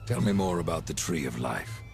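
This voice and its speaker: Grim, sardonic horseman of death for a fantasy game; extremely low, gravelly, music behind. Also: big pitch swings, a little fast, exaggerated voice. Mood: curt, demanding. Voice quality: very deep gravelly voice. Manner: terse, brooding, sardonic. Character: Death, grim curt horseman reaper, male. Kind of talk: video game cutscene acting.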